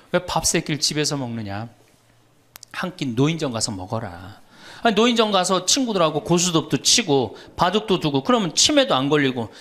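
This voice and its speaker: A man's voice: fairly high pitch, a bit bright. A middle-aged man, a Catholic priest, giving a humorous lecture and telling stories to an audience. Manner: storytelling, quoting others, teasing the audience.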